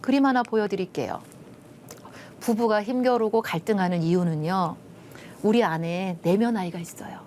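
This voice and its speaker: A middle-aged woman lecturing on a Christian TV show. She tells a personal story in an animated way, acts out the lines she quotes, and drops to soft, hushed tones at tender moments. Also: mid-range voice, normal speed, a little hiss or hum. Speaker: lecturer, love institute director. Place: TV studio.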